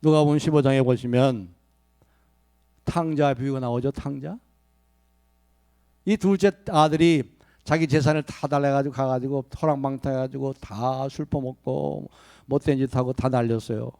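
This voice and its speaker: Animated Korean pastor preaching a sermon. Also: male voice, medium pitch, moderate pace, gravelly, no echo. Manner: animated preaching, repeats key phrases, asks the congregation questions; leads congregational Bible reading. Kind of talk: Sunday sermon. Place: church sanctuary.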